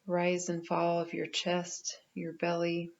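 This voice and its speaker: A woman leading a guided meditation in a gentle, unhurried manner with pauses. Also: fairly low pitch, completely flat delivery, muffled recording.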